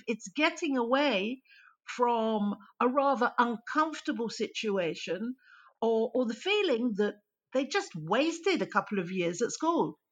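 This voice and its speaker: Woman, fairly high voice, language teacher, explains things thoughtfully. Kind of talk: interview answers. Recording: muffled lo-fi line.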